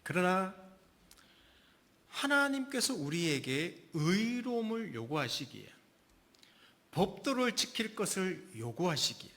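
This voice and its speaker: A man's voice: sits high, sing-song, slow pace, long pauses, fairly bright tone. A middle-aged man, a pastor, delivering a sermon with emphatic rhetorical questions to his congregation.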